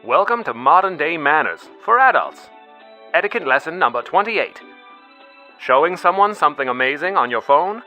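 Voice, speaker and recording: A man's voice: a little high, very animated, normal speed, dull audio. A man reading scripted voice-over in a polished, articulate delivery. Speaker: voice-over artist. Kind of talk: scripted voice-over demo reads: commercial, explainer, narration. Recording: music bed behind the voice.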